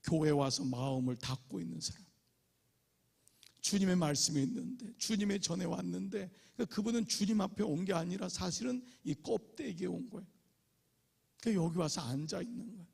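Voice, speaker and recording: A man's voice: high voice, vocal fry, darkish tone, breathy edge. A man preaching an emphatic revival sermon as a pastor in a church sanctuary, acting out quotes as he goes.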